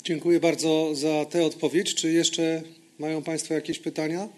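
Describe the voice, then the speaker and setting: Brief: slightly higher-voiced man, polite moderator at a lectern mic. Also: level tone, brisk, a little mellow. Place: conference hall, at a lectern.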